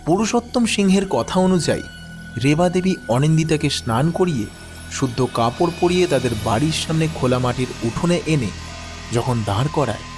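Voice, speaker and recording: Male narrator for ghost tales, highish voice, lively swings in pitch, dramatic scripted read.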